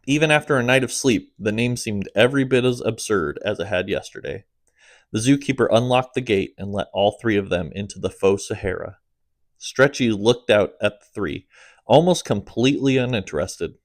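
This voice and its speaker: A man narrating his own comic audiobook in a fairly low voice. He keeps a steady storytelling pace and lets his voice sink at the ends of phrases, and the recording is close and dry with no room sound. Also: normal speed, no room sound.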